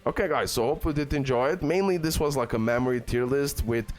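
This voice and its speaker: With faint background music, a gaming YouTuber eagerly walks through a game guide in a casual, filler-heavy way, keeps saying "guys" and "okay," and uses a medium-pitched, slightly mellow voice at a fairly quick pace.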